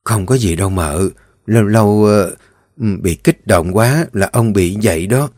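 A man voicing an older female household servant in a story, with a soft, slow manner. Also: lowish voice, no room sound, studio quality, natural voice. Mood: chatty.

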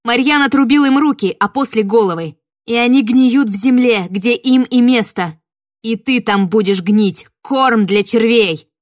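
A woman voicing a brave young woman who shouts insults and threats in defense of her sister. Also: on the high side, measured pace, natural voice. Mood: defiant. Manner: defiant, shouting.

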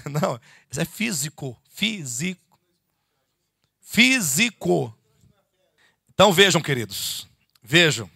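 A lively, high-pitched male preacher from Brazil, his voice gravelly yet bright and cutting. He teaches his congregation in a chatty sermon, swooping up and down as he throws out one rhetorical question after another. The recording is close and dry. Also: moderate pace, no echo. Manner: animated, rhetorical questions, addresses listeners as "queridos". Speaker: bishop teaching a Bible study. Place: church meeting hall.

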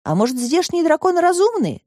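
A woman's voice: very animated, brisk, warm tone, no room sound, clean studio sound. The speaker, a woman doing a bold, ringing young girl. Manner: high, ringing and insistent. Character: brave, determined young girl explorer.

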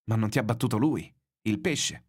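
A man's voice: on the low side, moderate pace, breathy edge, voice pushed up. A man voicing a devoted young fisherman's boy in a read-aloud novel, lifting his voice to sound earnest.

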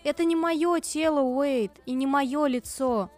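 A woman voicing a guarded, earnest young woman gamer in a dramatized audiobook, speaking in a measured, firm way. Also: high voice, a little mellow. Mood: pleading. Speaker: voice actor in an audiobook.

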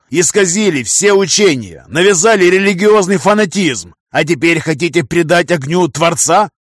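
Man doing a furious shouting hero. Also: medium pitch, dry recording, studio quality, lightly acted. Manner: loud, raised, furious outbursts. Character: defiant male hero, hot-tempered, shouting. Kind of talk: audiobook character reading.

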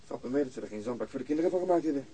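An actor playing a brisk, sardonic police detective in a radio drama, terse and dry in his delivery. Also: medium pitch, animated, mellow, a little hiss or hum, close to an everyday voice. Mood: dry, curious.

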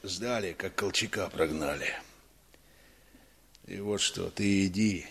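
An actor playing a wary, stubborn village blacksmith in a Russian radio drama, gruff and muttering. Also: male voice, sits low, takes it slowly, a bit bright, heavily acted. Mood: gruff defiance.

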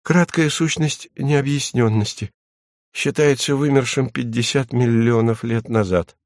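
A man voicing a timid, tender-hearted male commandant who speaks softly and hesitantly. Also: mid-range voice, a little slow, no echo, studio quality, voice pushed up, lightly acted. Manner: soft and hesitant.

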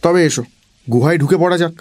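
A man voicing a cheerful, practical young male traveller in an audiobook, brisk and reassuring. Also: on the high side, a little mellow, voice pushed up, close to an everyday voice. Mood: easygoing. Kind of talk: audiobook character voice.

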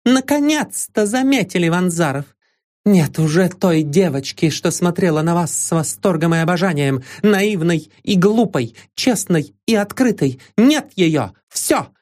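Overexcited young society lady in an audiobook, shrill, breathless, highly animated, put on by a male narrator. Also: unhurried, exaggerated voice. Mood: furious. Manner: high, breathless, rising exclamations. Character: agitated young woman, nervous and excitable.

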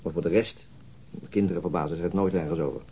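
An actor playing a dogged, troubled police detective in a naturalistic radio drama, husky and deliberate, sometimes halting. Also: male voice, low-pitched, steady tone, mellow, muffled recording. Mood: troubled, pensive. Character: dogged, troubled male police detective recounting his inquiry.

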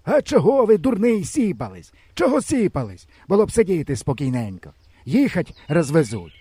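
A man reading a storybook, voicing a gruff, bossy old village grandfather who scolds bluntly. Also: fairly high pitch, sing-song, moderate pace, dark tone, dry recording, clean studio sound, voice pushed up. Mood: scolding.

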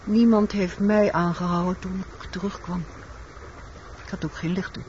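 An actress playing a weary, secretive woman in a radio drama, telling her story in a measured, matter-of-fact way. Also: lowish voice, fairly even intonation, natural voice. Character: weary, secretive woman confessing a wartime killing. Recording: muffled, noisy old radio recording.

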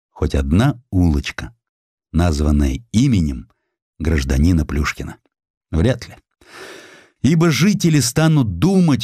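Guy narrating history audiobook, low voice, really animated and theatrical, dry close studio sound. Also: husky, dry recording. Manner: expressive, theatrical storytelling with acted quotes. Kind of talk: scripted narration of a historical essay.

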